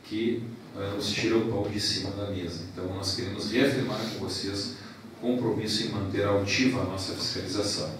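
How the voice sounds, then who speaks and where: A man in his forties, president of a professional council, giving a formal ceremony speech into a handheld mic in a large hall. He speaks in a measured way, listing thanks and points with pauses. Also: lowish voice, steady tone, background noise. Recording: echoey hall from a distance.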